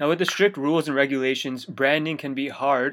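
In a very clean recording with a silent background, a man talks at a fairly quick pace at a fairly high pitch, in a normal speaking voice. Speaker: podcast host. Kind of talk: interview.

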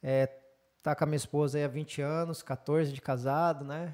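Speaking at a moderate pace, a man has a normal speaking voice with a fairly high pitch. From Brazil, Curitiba. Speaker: sushi chef and footvolley player. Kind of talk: casual chat.

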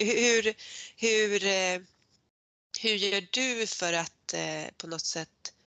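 The voice has a bright, sharp tone and a dry, close sound with no echo, going at a very slow pace with long, frequent pauses. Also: woman, medium pitch for a woman. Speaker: podcast host, entrepreneur. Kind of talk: casual interview. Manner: enthusiastic.

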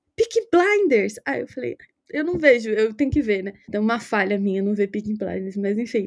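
A woman speaks in an unremarkable speaking voice with a fairly high pitch. Her intonation is lively, and her pace is moderate. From Rio de Janeiro, Brazil. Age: 30s. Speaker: market researcher. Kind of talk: casual interview.

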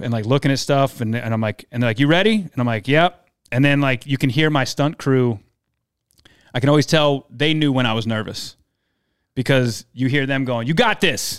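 A man speaks at a moderate pace and medium pitch in an American accent, with a normal speaking voice. His pitch varies in an ordinary way, and the recording is very clean with a silent background. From New Jersey. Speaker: former sports mascot. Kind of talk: casual interview.

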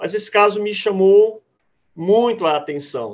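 The intonation rises and falls in a lively way. A man is speaking at a fairly slow pace. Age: 50s. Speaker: hypnotherapist and hypnosis teacher. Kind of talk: lecture. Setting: video call.

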